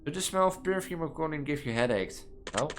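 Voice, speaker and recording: A young trans woman with a Dutch accent, reading quiz questions aloud and answering them in a rambling, halting way that restarts words mid-sentence, from her student apartment. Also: deep voice, expressive, over music. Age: young adult. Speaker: gaming video creator.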